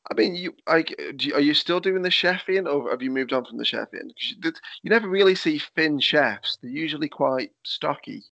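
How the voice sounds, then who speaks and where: A man's voice: a little high, animated, normal speed, few pauses, bright, forceful tone, no room sound. A man with a slight lisp hosting a podcast, asking rambling questions full of fillers. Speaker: podcast host. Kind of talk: casual chat. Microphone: remote call. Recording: dull lo-fi call audio.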